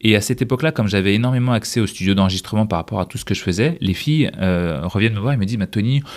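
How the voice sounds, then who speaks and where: Man, fairly low voice, conversational storyteller, interview guest, quotes people as he goes. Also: racing.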